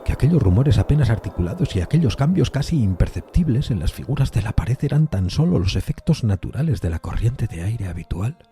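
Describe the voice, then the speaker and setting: A man giving a dramatic, theatrical literary narration of a gothic horror story, moving between hushed and emphatic phrasing. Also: on the low side, big pitch swings, brisk, hardly any pauses. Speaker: podcast narrator reading a horror tale.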